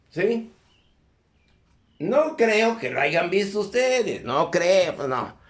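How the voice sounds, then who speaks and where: High-voiced teacher checking in with students. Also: male voice. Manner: constantly checks in with questions to the class. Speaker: electrical engineering teacher. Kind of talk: live class lecture. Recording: echoey classroom.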